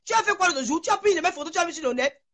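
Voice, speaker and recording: A woman's voice: very high voice, animated, racing, a bit bright. A woman in a heated online video rant, furious and shaking with anger, hurling insults and stammering over repeated words. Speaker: social media personality.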